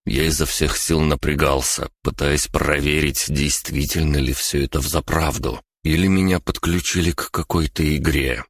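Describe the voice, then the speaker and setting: A man reading a story aloud in a measured, first-person narration. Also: extremely low pitch, steady tone, no room sound, studio quality. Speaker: audiobook narrator.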